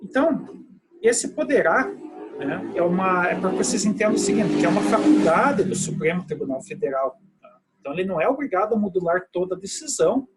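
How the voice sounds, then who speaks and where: A man teaches a law lesson in an online video lecture, explaining step by step and adding many tag questions to check in with his students. His voice sits high with lively intonation and a slightly fast pace, and the rough recording carries slight background noise.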